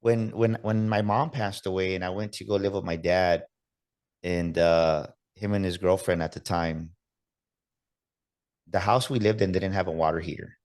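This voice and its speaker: A man hosting a motivational podcast, energetic and urging listeners to act. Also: low-pitched, moderate pace. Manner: energetic, hyped-up delivery with repeated calls to action. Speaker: podcast host.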